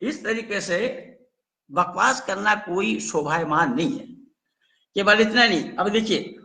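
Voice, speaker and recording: Older male debater, high bright voice, combative scolding lecture. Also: animated, poor audio. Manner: scolding, combative, spells out letters slowly. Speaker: religious debater. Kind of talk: heated lecture.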